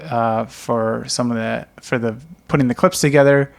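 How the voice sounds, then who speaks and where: A man's voice: mid-range voice, fairly even intonation, normal speed, creaky. A man co-hosting a podcast, chatting casually and taking listener questions. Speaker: podcast co-host and animated series creator.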